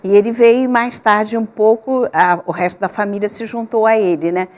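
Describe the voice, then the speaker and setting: An older woman, born in Portugal and raised in Rio, speaking as a doctor guest on a TV talk show in a measured, reflective way with pauses. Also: medium pitch, steady tone. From Portugal, raised in Rio de Janeiro. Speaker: guest, gynecologist. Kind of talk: relaxed interview talk.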